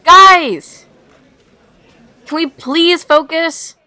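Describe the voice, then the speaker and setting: Lady playing a whiny nervous schoolgirl in a cartoon web series, high n bright, super dramatic. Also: lively intonation, moderate pace, dry recording. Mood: exasperated. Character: anxious, clumsy, dramatic schoolgirl. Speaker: voice actor in a fan-made Roblox school series. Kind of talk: animated scripted web series dialogue.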